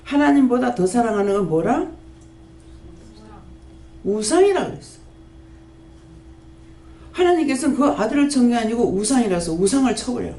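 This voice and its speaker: A woman pastor, preaching a sermon and scolding with rapid-fire rhetorical questions. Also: on the high side, lively intonation, dark tone. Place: prayer house church. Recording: echoey church hall, faint background noise.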